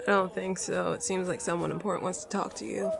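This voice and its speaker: Woman doing a creaky, blunt, laid-back guard. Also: on the low side, steady tone, quick pace, a crowd in the background. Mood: matter-of-fact. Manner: casual, blunt, slangy. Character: blunt, laid-back, foul-mouthed young embassy guard. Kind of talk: audio drama acting.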